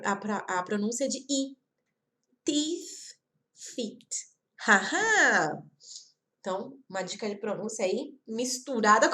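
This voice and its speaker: A woman from Brazil teaching an online English lesson, repeating example words slowly and talking straight to her viewers. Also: a little high. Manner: slow, careful repetition of example words; chatty, addresses viewers directly.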